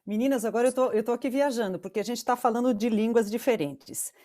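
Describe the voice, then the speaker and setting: A woman's voice: a little high, quick pace, mellow. A woman from Brazil moderating a casual panel chat, musing aloud with chatty fillers.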